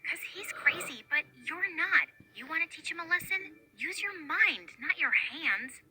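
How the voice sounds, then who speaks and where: A woman voicing a gentle, kind-hearted teenage girl who speaks softly. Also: extremely high pitch, expressive, measured pace, pitched above the performer's own voice, heavily acted. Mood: calm. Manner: soft, soothing.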